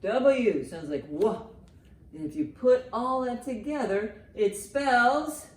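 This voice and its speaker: A woman hosting a children's storytime, reading and explaining in simple, expressive language meant for young listeners. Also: a little high, slow. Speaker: children's librarian, storytime host. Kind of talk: children's storytime, reading a picture book aloud and commenting.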